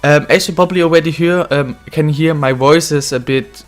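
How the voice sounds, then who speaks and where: A man's voice: fairly high pitch, fairly quick, faint music behind. A young man with a slightly ill voice, talking through a football career-mode game in casual, rambling commentary full of fillers and self-corrections. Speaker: gaming video host.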